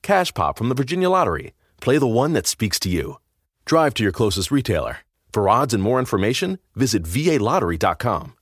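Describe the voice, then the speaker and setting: A man voices a scripted radio commercial. His mid-pitched voice is husky and very lively, recorded dry and close. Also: a little fast, dry recording. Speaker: advertisement announcer.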